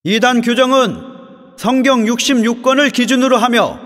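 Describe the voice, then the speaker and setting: A pompous, very high-pitched church leader declaiming in a reverberant hall, audio drama. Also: male voice, normal speed, a bit bright. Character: self-important male church council leader.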